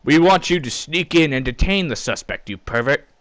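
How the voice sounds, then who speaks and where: A man acts out a gruff police sergeant from a comic story. He is exasperated and commanding, scolding as he gives orders, his pitch pushed up a little. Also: animated, moderate pace, a bit bright, dry recording.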